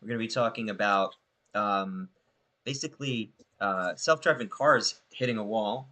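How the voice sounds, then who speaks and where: A man's voice: lowish voice, normal speed, bright, forceful tone. A man co-hosting a video-call chat show, enthusiastic, with frequent "uh" and "um". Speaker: co-host. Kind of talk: casual panel chat.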